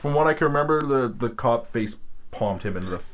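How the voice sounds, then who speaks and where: A man's voice: medium pitch, animated, fast. A man in a casual podcast chat, swearing and joking as he tells a story about a tough cop. His voice sounds narrow and tinny, like a phone line. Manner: crude, joking. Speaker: podcast co-host, security guard.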